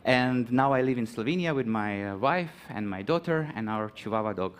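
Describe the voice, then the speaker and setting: A man's voice: mid-range voice, animated, normal speed, clear, resonant tone. A man from Croatia giving a conference talk, hesitant, with many ums and restarts. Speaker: conference speaker. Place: conference hall.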